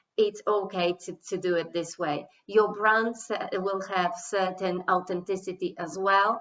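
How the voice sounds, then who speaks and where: Using a non-native accent, a woman of medium pitch speaks at a fairly slow pace with fairly even intonation. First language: not English. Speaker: social media consultant. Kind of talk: webinar presentation. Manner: halting with frequent fillers.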